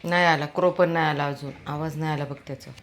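A woman's voice: low voice, steady tone, fast talker. A woman filming her dog, coaxing and calling him in a singsong voice between casual remarks.

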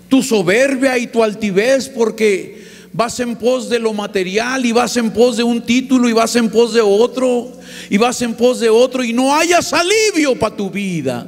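A man with a Mexican accent gives a passionate sermon testimony, often shouting as he preaches. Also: very high-pitched. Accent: Mexican Spanish. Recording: echoey hall with faint hum.

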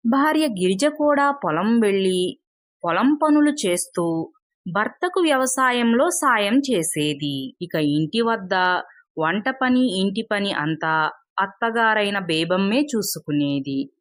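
Slow, measured woman storyteller. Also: medium pitch, expressive, no echo. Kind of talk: scripted narration of a moral tale.

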